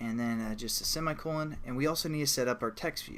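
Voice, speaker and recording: The voice is a man's. He keeps his intonation fairly even. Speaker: programming tutorial instructor. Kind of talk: tutorial. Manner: fast; casual, with fillers.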